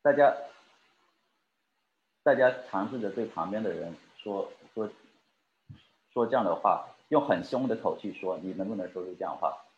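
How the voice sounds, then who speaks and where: A man with a lowish voice gives a sermon, talking straight to the congregation and putting questions to them. The sound is roomy and echoing, and the recording is dull and lo-fi. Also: animated, normal speed, pauses often. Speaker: preacher.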